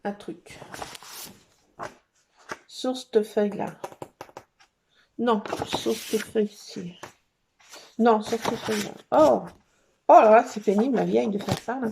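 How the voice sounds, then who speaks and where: A woman's voice: on the high side, slow pace, creaky, pauses often, darkish tone, a little hiss or hum. A middle-aged woman chatting casually as she scrapbooks, teasing and cooing at her cats. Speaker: crafting vlogger. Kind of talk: casual chat while scrapbooking.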